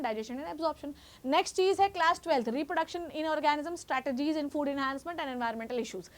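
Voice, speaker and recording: Woman, high voice, biology educator, direct, reassuring, mixes English terms. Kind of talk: exam guidance talk to students.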